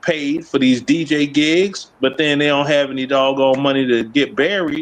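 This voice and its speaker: A man speaks in a normal speaking voice. His pitch is fairly high and his pace fairly slow. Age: 60s. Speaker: retired military veteran and DJ. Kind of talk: casual chat.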